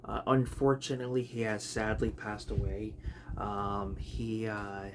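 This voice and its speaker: A man chatting casually about his video collection, rambling with many fillers and restarts, his voice a bit raspy. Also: fairly low pitch, flat delivery, unhurried. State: raspy, clearing throat. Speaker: home video collector vlogger. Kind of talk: casual unscripted chat. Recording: noticeable background noise.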